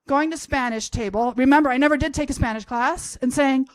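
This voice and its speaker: A woman's voice: sits high, brisk, dry recording, poor audio. A woman in her fifties from Austria, a language professor telling a humorous personal story on stage to an audience, wry and self-mocking. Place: college event stage before an audience.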